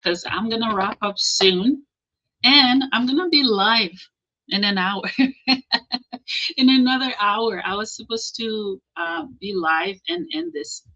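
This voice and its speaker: A woman's voice: fairly high pitch, animated, slow, bright, forceful tone, lo-fi sound. A woman hosting a motivational livestream, encouraging her viewers, often checking in with "okay?" and reading out their comments. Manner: reads out and answers viewer comments. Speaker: livestream host.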